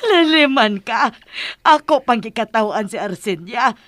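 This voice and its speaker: Slow-talking, high-voiced gossipy Bisaya village woman, acted by a woman. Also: animated, a bit bright. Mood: amused, teasing. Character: gossipy, flustered village woman, teasing and easily embarrassed. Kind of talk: Bisaya radio drama comedy acting.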